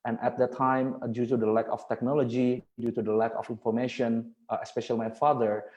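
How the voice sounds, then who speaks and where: A young man from Indonesia speaks English as a second language in an earnest, formal presentation, stacking repeated phrases for emphasis. His voice is soft and mellow, heard through a computer microphone on a video call. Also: mid-range voice, level tone, fast, muffled recording. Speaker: guest speaker. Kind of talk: webinar presentation. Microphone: computer mic on video call.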